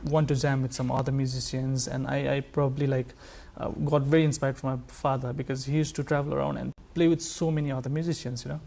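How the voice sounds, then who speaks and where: A male folk musician with a Nepali accent speaks in a casual interview, his pitch in the middle range. He talks haltingly, circling through fillers as he explains himself. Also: flat delivery, vocal fry, a little mellow. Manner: hesitant, halting delivery full of like and you know. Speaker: folk musician, sarangi player, guest; music educator.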